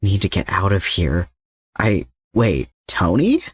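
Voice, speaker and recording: A man's voice: sits low, wildly swooping pitch, slow, slightly rough, dry recording, studio quality, full character voice. A man voicing a defiant, sarcastic young hero held captive in an audio story, snarky and agitated. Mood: distressed.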